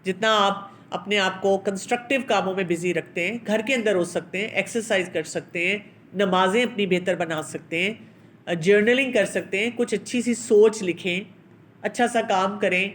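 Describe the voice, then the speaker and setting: Calm teacherly woman giving parenting advice. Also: medium pitch, slight background noise. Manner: calm, measured, teacherly with rhetorical questions; mixes English terms into her speech. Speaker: parenting advisor. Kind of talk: advice talk on parental anger.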